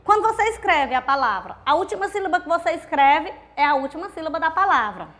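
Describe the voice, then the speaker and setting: A woman with a Brazilian accent teaches a grammar lesson in a high, clear voice. She explains step by step, drawing words out and counting syllables aloud. She keeps asking the class rhetorical questions. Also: expressive, fast talker, a bit bright. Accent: Brazilian Portuguese. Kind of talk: recorded grammar video lesson.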